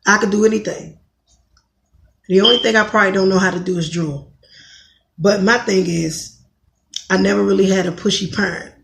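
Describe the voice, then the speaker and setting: A woman in her thirties from Washington, D.C., with a raspy voice, talking bluntly in a rambling podcast monologue and often correcting herself. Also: mid-range voice, fairly even intonation, normal speed, pauses often, roomy sound, a little hiss or hum. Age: 30s. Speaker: podcast host. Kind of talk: casual monologue commentary.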